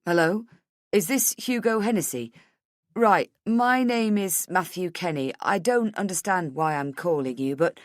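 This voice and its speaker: A woman voicing a frightened, tearful husband in an audiobook, gentle and pleading, with a hesitant delivery. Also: on the low side, unhurried, no echo, clean studio sound, natural voice. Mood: confused. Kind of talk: dramatic audiobook character dialogue.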